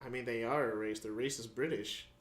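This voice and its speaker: A man's voice: medium pitch, steady tone, a little fast. A man streaming a video game, chatting with friends in a casual, joking and profane way, ranting about the game.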